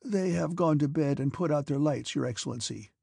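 Man doing a deferential male valet, quiet, subdued, gravelly, husky. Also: on the high side, brisk, dry recording, clean studio sound, heavily acted.

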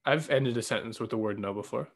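A man's voice: medium pitch, quick pace, husky. A man with a light Canadian accent riffs easily in casual podcast chat. He is teasing and playful, and he rambles through his points with a loose, conversational ease. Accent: mild Canadian. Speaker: podcast co-host. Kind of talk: casual banter.

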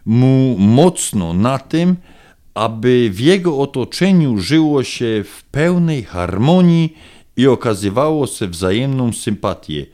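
Man, radio co-host, playful, very animated pitch. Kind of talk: radio chat and reading horoscopes.

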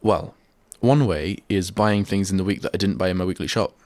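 Male host, deep and congested with a cold, rambling chat in a dry little studio. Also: a little fast, darkish tone, dry recording. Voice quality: bunged-up, nasal. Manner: rambling, chatty, self-deprecating. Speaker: radio host. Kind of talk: casual solo radio chat. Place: small radio studio. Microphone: studio microphone.

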